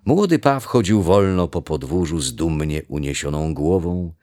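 A man reading a children's story aloud, expressive and unhurried. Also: sits low. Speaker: storybook reader.

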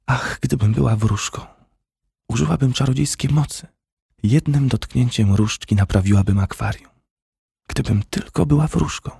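A man's voice: medium pitch, moderate pace, creaky, warm tone, voice pushed up, lightly acted. A man reading a storybook, voicing a timid, guilty schoolgirl who talks hesitantly in a raised voice. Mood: wistful. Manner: hesitant, faltering. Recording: long hall reverb.

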